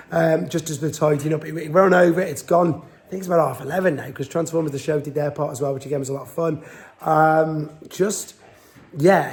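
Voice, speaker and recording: Man, casual vlog walk-around, handheld phone, rambling restarts, slightly high voice. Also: darkish tone. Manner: chatty, rambling, lots of restarts. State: losing his voice. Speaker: toy vlogger.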